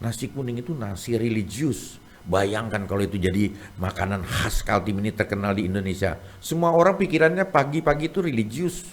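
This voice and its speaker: The voice moves at a fairly quick pace with an animated tone. Its pitch swings very widely. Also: man, medium pitch for a man. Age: 60s. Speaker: cultural figure. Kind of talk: podcast interview. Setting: studio.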